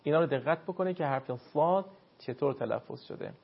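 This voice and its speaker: A man teaching the pronunciation of Arabic letters for recitation, explaining patiently and slowing down to demonstrate each sound. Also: a little high, vocal fry. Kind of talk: spoken pronunciation lesson. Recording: dull lo-fi sound.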